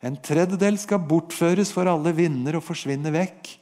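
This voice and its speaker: A man with a Norwegian accent and a somewhat high, dark-toned voice teaches the Bible on a podcast. He retells a prophet's story vividly, like a storyteller, and voices God's words.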